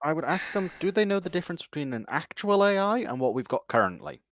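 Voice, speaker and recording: A man's voice: on the high side, very animated, quick pace. A man in a casual panel discussion, making matter-of-fact corrections.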